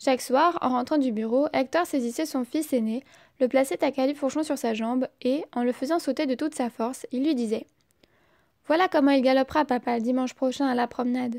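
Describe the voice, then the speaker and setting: Recorded dry and close with no echo, a woman speaks at a high pitch and moderate pace, with fairly even intonation and big swings in loudness. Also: very clean recording, silent background. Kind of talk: literary audiobook narration of a short story, reading aloud. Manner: even, measured storyteller's pace with mild expressive shifts for quoted dialogue.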